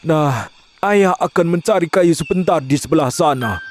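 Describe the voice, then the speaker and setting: Kind poor woodcutter dad, kinda high voice, always fretting. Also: male voice, animated, normal speed, soft background music. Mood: gentle. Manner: gentle and worried. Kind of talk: cartoon voice acting.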